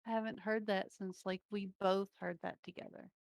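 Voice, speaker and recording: Female gamer, mid-range voice with vocal fry, casual player chat. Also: mid-range voice, fairly even intonation, normal speed, no room sound. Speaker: player in an online tabletop game.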